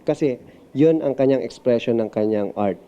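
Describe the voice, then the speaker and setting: A man with a Filipino accent speaks in an informal interview. His voice is very dark and mellow, at a middling pitch, on a slightly dull recording. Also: moderate pace, clean tone. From Philippines. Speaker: voice talent and company owner.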